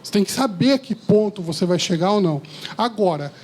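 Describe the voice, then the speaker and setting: A man giving a lively seminar talk to a live audience, often asking the listeners questions. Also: sits high, brisk. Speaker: speaker at a seminar. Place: lecture hall with audience.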